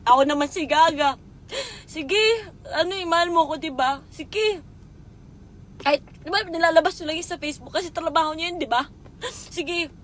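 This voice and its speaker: Pitched high and pausing often at a moderate pace, a young woman vlogger pours out a painful personal story, addressing someone directly. It's an emotional confessional full of raw feeling and swearing, with slight background noise.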